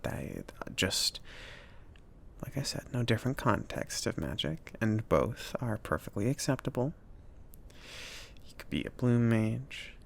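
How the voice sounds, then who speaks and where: A man playing a friendly, awkward mage who runs a magic shop, rambling and reassuring in a soft-spoken ASMR roleplay. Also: medium pitch, very animated, unhurried, vocal fry, pauses often. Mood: helpful, rambling. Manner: rambling, hesitant, reassuring, with nervous chuckles.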